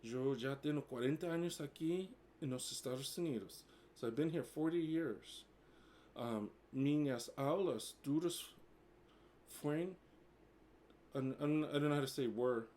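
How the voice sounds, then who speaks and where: A man in his 40s from the United States, a native English speaker, vlogs casually to camera, mixing hesitant learner Portuguese with English. He speaks slowly with lots of fillers, in a fairly high, darkish voice, over slight background noise.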